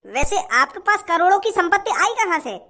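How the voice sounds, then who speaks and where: An eager, flattering TV reporter, voiced by a woman in a comedy skit. The voice is very high and sounds a little distant. He sounds keen and fawning. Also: a little fast, full character voice. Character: eager male TV news reporter.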